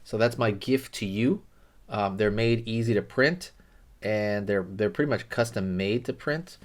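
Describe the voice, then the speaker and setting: A man's voice: on the low side, unhurried. A man hosting a casual drawing tutorial, talking loosely with lots of fillers and friendly asides while he draws.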